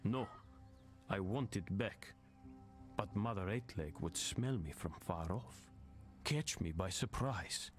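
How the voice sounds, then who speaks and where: An actor voicing a proud tribal hunter and storyteller for a video game, speaking in short, simple, broken English sentences. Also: male voice, fairly low pitch, slow pace, soft background music. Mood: insistent. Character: boastful tribal spear hunter and storyteller man. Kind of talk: video game character dialogue.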